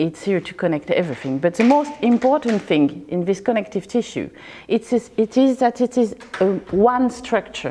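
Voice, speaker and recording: A woman with a French accent speaks at a moderate pace, her pitch swinging very widely. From France. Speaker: fascia therapist. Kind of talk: lecture. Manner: halting.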